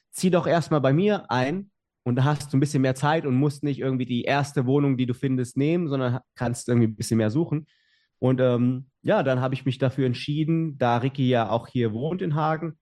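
A man's voice: medium pitch, a little fast, dark tone. A young adult man, a podcast guest, telling his story in casual talk with many fillers and restarts.

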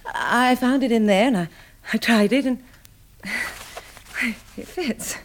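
An actress playing a wistful, playful, well-bred young woman novelist in a 1960s radio drama, hesitant and expressive. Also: a little high, slow. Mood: bright, shy.

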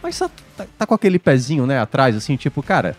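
Male podcast pundit, mid-pitched voice, informal chat and match analysis, faint music behind. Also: very animated, fast. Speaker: sports commentator on a podcast. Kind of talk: casual sports chat and analysis.

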